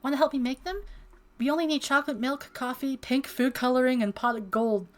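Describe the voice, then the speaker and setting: An eager young girl in a story game, voiced by a woman. She speaks in a raised, girlish pitch, excitable and dramatic about small things as the dialogue is read out. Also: a little fast, natural voice. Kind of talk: reading game dialogue aloud.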